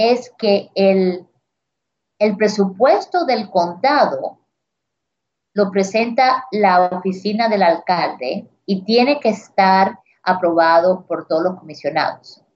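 Speaking very slowly, a woman uses a fairly high pitch and lively intonation. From Cuba. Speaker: local party official. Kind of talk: interview. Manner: halting.

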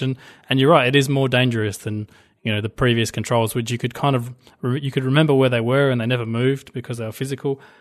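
At a very fast pace, a man with a strong Australian accent speaks in a medium pitch with ordinary pitch variation. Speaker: app developer. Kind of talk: casual interview chat. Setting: remote call across time zones.

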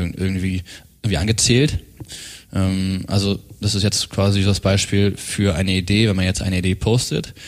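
A man talks at a fairly low pitch. His intonation is monotone and flat. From Hannover, northern Germany. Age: 30s. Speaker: startup co-founder. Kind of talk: interview.

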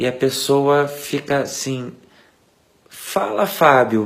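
A man's voice at medium pitch. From Brazil, Rio de Janeiro state (Nova Friburgo). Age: 30s. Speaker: bank employee, course participant. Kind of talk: testimony. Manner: halting, many fillers.

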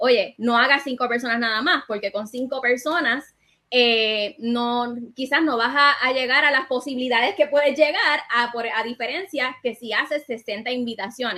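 This woman's high-pitched voice has a bright, sharp tone, ordinary pitch variation and a moderate pace. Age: 20s. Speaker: network marketing coach. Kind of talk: motivational talk. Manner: energetic.

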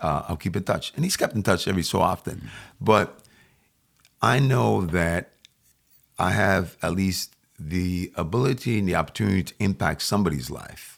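This man has a very deep, low pitch and noticeable vocal fry. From Puerto Rico. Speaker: radio host. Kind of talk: interview.

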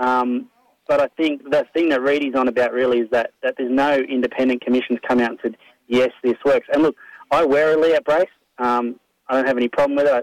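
In an Australian accent, a man talks with monotone, flat intonation over a dry, close sound with no echo. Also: medium pitch for a man, fairly quick pace. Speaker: caller. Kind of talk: casual chat. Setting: phone call.

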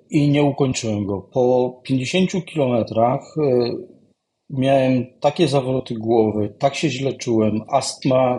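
A man at medium pitch, very slow pace, fairly even intonation and a dark, mellow tone. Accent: Polish. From Poland. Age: 50s. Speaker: amateur endurance runner. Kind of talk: casual interview conversation.

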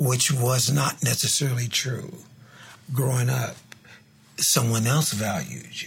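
In an American accent, a man of medium pitch speaks at a fairly slow pace with long, frequent pauses, fairly even intonation and very even loudness, amid audible room echo and noticeable background noise. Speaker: pastor. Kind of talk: panel discussion.

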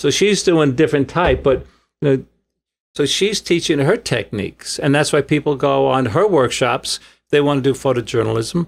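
The voice has vocal fry and lively intonation. Its pace is moderate and its loudness very even. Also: man, fairly high pitch for a man. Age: 60s. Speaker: photography workshop instructor. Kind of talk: casual interview.

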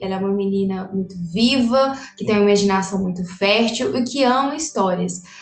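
Noticeable background noise and audible room echo around a woman, her pace moderate and her pitch variation ordinary. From Minas Gerais, Brazil. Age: 20s. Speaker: podcast guest. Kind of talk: casual chat.

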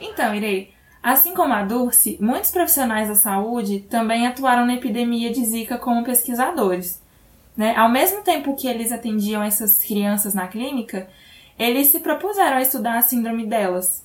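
A woman speaks in a normal speaking voice, fairly high in pitch, with lively intonation at a moderate pace. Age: 20s. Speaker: anthropology student researcher. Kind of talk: podcast interview.

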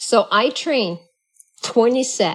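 A woman with a French Canadian accent and ordinary pitch variation, in a very clean recording with a silent background. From Quebec, Canada. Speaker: physician.

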